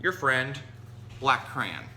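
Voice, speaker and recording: A man's voice: mid-range voice, big pitch swings, slow, pushed and bright, heavily acted. A man voicing a fed-up, overlooked black crayon from a picture book, complaining and pleading. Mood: resentful. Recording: roomy echo, some noise.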